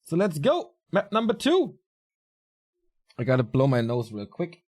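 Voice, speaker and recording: Man, game commentator, slightly raspy, tired, casual, fairly high voice. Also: huge pitch swings, measured pace, a little mellow. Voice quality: casual, chatty delivery with fillers. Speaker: esports caster.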